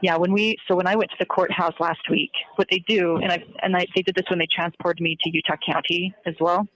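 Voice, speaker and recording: A woman's voice: on the low side, steady tone, brisk, a bit bright, a little hiss or hum. A woman recounting events matter-of-factly and step by step in casual conversation on a recorded jail phone call.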